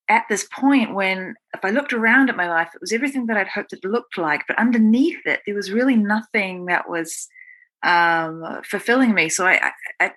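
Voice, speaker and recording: Bright-voiced New Zealand woman. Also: medium pitch. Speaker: guest, writer. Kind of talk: conversational personal storytelling in an interview.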